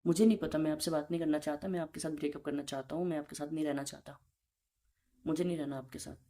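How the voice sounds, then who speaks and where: A man's voice: a little high, fairly even intonation, fast, mellow. A young man in an intimate relationship argument, speaking in a reproachful, insistent and repetitive way. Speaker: boyfriend in a relationship call.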